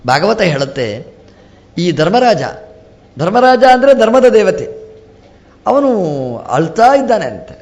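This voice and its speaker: A man, a swamiji, giving a storytelling religious discourse with lively rises and drops and acted-out dialogue. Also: sits high. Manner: animated, rising and falling sharply, quoting characters in dialogue. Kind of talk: storytelling sermon.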